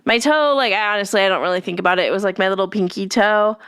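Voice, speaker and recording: A young woman hosts her podcast in a rambling, friendly chat full of "like"s and asides. Her voice is smooth and clear but a touch stuffy from allergies. The recording is close and dry, with no room sound. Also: medium pitch, fast, a bit bright, no echo. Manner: rambling, filler-heavy, friendly. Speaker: podcast host. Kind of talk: casual chatty podcast talk.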